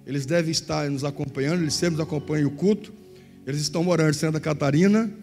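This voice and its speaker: Brief: high-voiced Southern Brazilian male pastor, lively sermon storytelling, echoey hall. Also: quick pace. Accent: Southern Brazilian Portuguese. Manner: animated storytelling, voices others in quotes. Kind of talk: sermon with acted-out anecdotes. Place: large church hall. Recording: echoey church hall with faint music.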